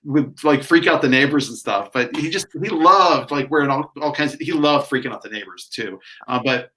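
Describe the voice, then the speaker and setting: This man co-hosts a small local talk show, chatting casually and drifting through long stories. His voice has a bright, forward edge, and he keeps dropping "like" and "you know" between phrases at a middling pitch. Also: normal speed. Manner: rambling, filler-heavy storytelling with frequent "like". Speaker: co-host. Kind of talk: casual chat.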